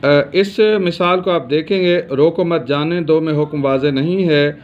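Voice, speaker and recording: A man from Pakistan gives a grammar lesson with a somewhat high voice. He explains steadily and fills pauses with hesitation sounds. The recording is dull and lo-fi. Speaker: teacher.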